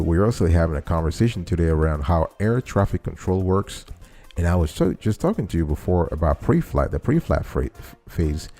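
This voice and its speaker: A man's voice: sits low, warm tone. A man hosting an informal explainer, teaching step by step and restating key phrases to his listeners. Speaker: show host and explainer.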